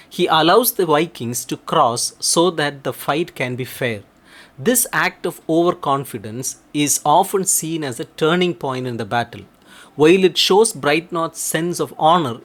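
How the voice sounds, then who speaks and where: Higher-pitched man reading formal educational narration. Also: a bit bright. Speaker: narrator of a literature explainer.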